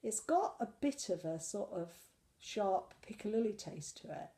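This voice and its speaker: A woman's voice: mid-range voice, expressive, measured pace, dark tone. A woman with a cold chatting in a casual weekly diet vlog, rambling and self-deprecating. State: full of cold. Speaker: slimming vlogger.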